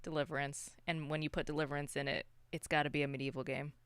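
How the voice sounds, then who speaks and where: A woman's voice: deep voice, flat delivery, fast, clear, resonant tone, no room sound. A woman co-hosting a podcast, chatting casually about movies in a wry, informal, rambling way. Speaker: podcast co-host.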